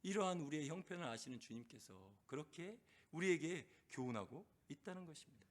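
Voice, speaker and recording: Middle-aged guy preaching with feeling, high voice that swings all over, keeps asking the congregation questions. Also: expressive, brisk. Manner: impassioned, swings from loud crying out to hushed. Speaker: pastor. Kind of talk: sermon.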